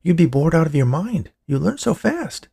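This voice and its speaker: Man voicing an anxious young mother, raised pitch. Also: very animated, moderate pace, creaky, mellow, breathy edge, exaggerated voice. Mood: reasoning. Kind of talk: audiobook character dialogue.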